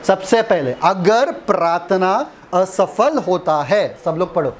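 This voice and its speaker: A man's voice: high-pitched, expressive, slow pace, a little hiss or hum. A man preaching in a casual, conversational style, teasing the audience and asking them questions. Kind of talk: conversational Hindi sermon.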